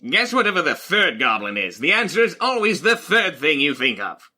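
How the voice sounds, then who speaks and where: A man playing an excitable, blunt companion on a fantasy quest, speaking theatrically in an audio drama. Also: on the high side, moderate pace, full character voice. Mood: skeptical. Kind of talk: scripted audio fiction acting.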